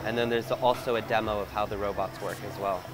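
A man's voice: fairly low pitch, steady tone, fast. A man in his thirties reporting on location, chatting curiously as he walks through a large supermarket with a handheld camera. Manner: chatty, curious walk-through while shopping. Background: background music.

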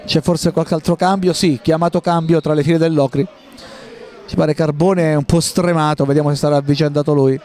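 A man giving live football play-by-play in clipped running phrases, with pauses between them. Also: fairly high pitch, steady tone, darkish tone. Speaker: football match commentator.

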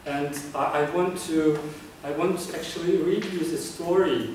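A man's voice: on the high side, steady tone, normal speed, darkish tone, slight background noise. A man, giving an earnest club speech in a meeting room and often restarting his phrases with fillers. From Kazakhstan. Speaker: club speaker. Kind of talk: prepared public speech. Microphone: far camera. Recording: echoey room from far off.

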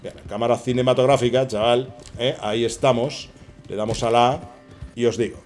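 A middle-aged man from Spain speaks with a Spanish accent in a mellow, relaxed tone. He jokes and curses casually while narrating his game to viewers. His voice comes close through a headset mic in a small room. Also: mid-range voice, normal speed, faint music behind. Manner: joking, swearing, chatty asides to viewers. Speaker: gaming channel host. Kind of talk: casual gameplay commentary.

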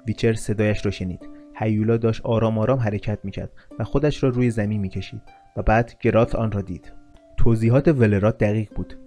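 Low, dark-voiced male audiobook narrator. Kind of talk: scripted story narration.

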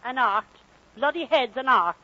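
A woman's voice: high-pitched, animated, normal speed, sharp tone. A woman playing a feisty Welsh mother in a vintage film drama, scornful and lilting. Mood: indignant. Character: feisty, scolding Welsh mother and miner's wife. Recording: dull vintage film soundtrack.

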